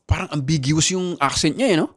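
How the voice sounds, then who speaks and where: A man hosting a podcast, telling stories in animated casual chat with constant tag questions. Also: a little high, fairly quick, no room sound, clean studio sound. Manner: animated storytelling with frequent "di ba" asides. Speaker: podcast host.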